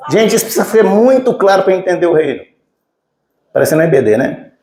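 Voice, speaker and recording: A man's voice: high-pitched, big pitch swings, fast, a little mellow, echoey room. A male preacher from Minas Gerais with a Mineiro accent, teaching a sermon emphatically and putting questions to the congregation. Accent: Mineiro Brazilian Portuguese. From Minas Gerais, Brazil. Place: church sanctuary.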